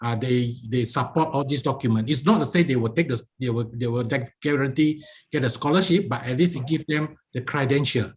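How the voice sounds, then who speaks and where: A man's voice: mid-range voice, a little fast, few pauses. A man speaking in a video meeting, explaining an exam program at length and repeating his points in non-native phrasing. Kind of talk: online meeting discussion. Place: video call.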